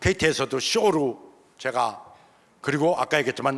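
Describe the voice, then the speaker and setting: This man's tone is animated, with lively intonation and a fairly high pitch. He keeps a moderate pace. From South Chungcheong, Korea (Cheongyang area). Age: 60s. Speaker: church elder and marketing lecturer. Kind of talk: motivational testimony talk.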